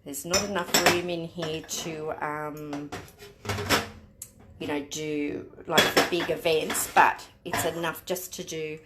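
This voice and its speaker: A woman's voice: deep voice, little pitch movement, takes it slowly. A woman in her fifties with an Australian accent, chatting casually to live viewers as a host and thinking aloud in a hesitant, rambling way. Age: 50s. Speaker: tea room host, psychic palm and tea leaf reader. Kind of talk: casual chat in a live stream, answering viewers. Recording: roomy echo with clear background noise.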